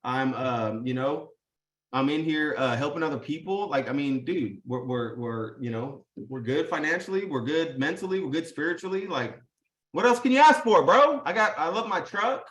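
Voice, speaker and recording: A man's voice: a little high, expressive, moderate pace, fairly bright tone, reverberant. Hyped, slangy man hosting a video call. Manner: hyped, profane, full of slang and fillers. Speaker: host. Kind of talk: casual motivational talk on a live video call.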